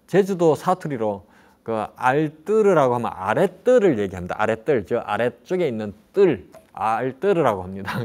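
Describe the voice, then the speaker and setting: A man's voice: medium pitch, a little mellow. A middle-aged man talking casually as a travel guide about local history, rambling with fillers and restarts and asking rhetorical questions. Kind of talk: conversational travel talk on history.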